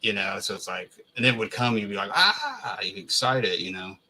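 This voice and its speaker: A man's voice: fairly low pitch, big pitch swings, normal speed, sharp tone, breathy edge. A man in his forties chatting casually on a podcast in an easygoing, agreeable way. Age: 40s. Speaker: podcast co-host. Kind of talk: casual chat.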